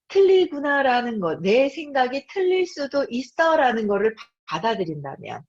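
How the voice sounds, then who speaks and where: Woman in her fifties, book talk host, lively pitch, breathy, dull lo-fi sound. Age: 50s. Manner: animated, acts out her own thoughts and voices. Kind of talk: live-streamed book talk to an audience.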